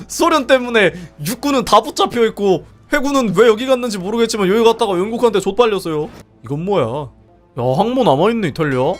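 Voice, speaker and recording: A man's voice: high-pitched, lively intonation, a little fast, soft background music. A young man commentating a multiplayer strategy game live, exclaiming and laughing often, his voice a little strained. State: strained voice from singing.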